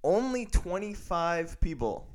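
A man's voice: high-pitched, very animated, slow. A man in his thirties co-hosting a podcast, running through film news and bickering playfully with his partner. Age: 30s. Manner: newsy, gets into playful bickering. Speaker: podcast co-host. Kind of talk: casual banter.

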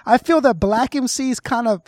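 A man's voice: extremely high pitch, normal speed, a little mellow, no room sound, studio quality. A man hosting a casual hip hop interview, asking rambling questions full of "like" and repeated words. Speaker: interviewer host.

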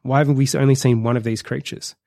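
A man's voice: medium pitch, steady tone, fast, gravelly, dark tone, no echo, lightly acted. A man reading a blunt, matter-of-fact female dive leader. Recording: dry close sound.

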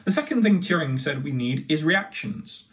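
Higher-voiced man, enthusiastic academic explainer. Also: expressive, moderate pace, fairly bright tone, far from the mic. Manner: enthusiastic, emphatic, conversational explaining. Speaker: university lecturer.

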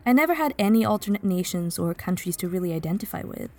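A woman from Stockholm whose first language is Swedish, narrating a podcast in a measured, reflective way. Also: lowish voice, animated, warm tone, faint music behind. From Sweden, Stockholm. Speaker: podcast host. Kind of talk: scripted narration.

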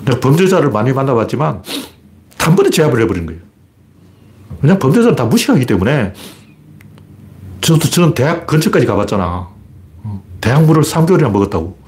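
A man's voice: medium pitch, big pitch swings, fast, pauses often, darkish tone, a little hiss or hum. A man hosting his own commentary broadcast, talking in a blunt, colloquial and argumentative way with many rhetorical questions. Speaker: political commentator.

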